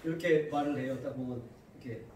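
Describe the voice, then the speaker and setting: A man preaching a sermon as pastor, reading scripture slowly and telling lively, laughing anecdotes. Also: medium pitch, slight background noise. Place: church sanctuary. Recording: very echoey church sanctuary heard from a distance.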